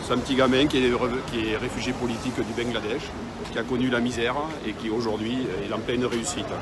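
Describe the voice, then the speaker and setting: A man's voice: mid-range voice, little pitch movement, fast. A man from the Gers with a southwestern French accent, chatting in a friendly, joking way outside a cinema. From Gers, France. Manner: friendly, joking, plain-spoken. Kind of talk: casual chat to camera. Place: outside a cinema, crowd around. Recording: crowd and street noise behind. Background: crowd.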